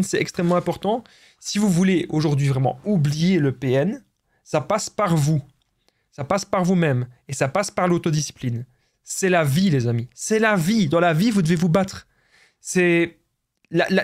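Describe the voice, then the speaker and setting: A man's voice: on the high side, darkish tone. A man with a Belgian French accent, a relationship coach giving casual, repetitive, stumbling advice to camera.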